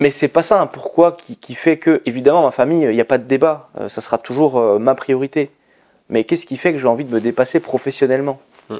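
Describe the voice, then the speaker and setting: Big swings in loudness mark a man's dark, mellow tone, set at a fairly high pitch with ordinary pitch variation. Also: fairly quick pace, dry, close sound with no echo. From eastern France, Belfort. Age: 30s. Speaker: entrepreneur. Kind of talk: casual interview. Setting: office.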